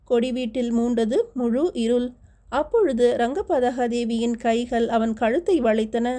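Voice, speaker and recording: A woman reads a historical novel aloud as an audiobook narrator. Her delivery is steady and measured. Her voice is mellow and warm and sits slightly high for a woman.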